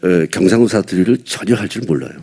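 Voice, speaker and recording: Older man from Seoul, low voice, husky, mellow, rambling casual talk, self-deprecating. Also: fast talker. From Seoul, South Korea. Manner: rambling, self-deprecating, chuckling between thoughts. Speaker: veteran actor at a film press event. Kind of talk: casual press-conference chat.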